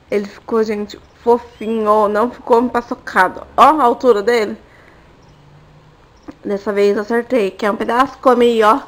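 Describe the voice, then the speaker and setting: A young adult woman telling a story in a casual vlog, chatty and often turning to her viewers. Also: on the high side. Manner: chatty, often asks the audience "né, gente?". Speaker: vlogger.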